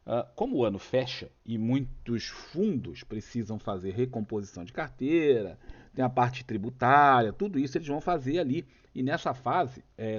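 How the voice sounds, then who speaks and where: A Brazilian man with a cold and a cough hosts a stock market channel, giving a casual chart talk packed with rhetorical questions. He has a Brazilian Portuguese accent and a medium-pitched voice, and the recording is muffled.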